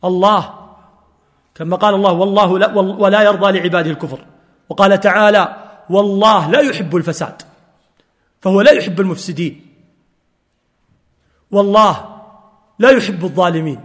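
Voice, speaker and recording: A man's voice: high voice, brisk, pauses often, fairly bright tone. A man preaching a sermon with fervent emphasis, quoting scripture and telling stories to his listeners. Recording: long hall reverb.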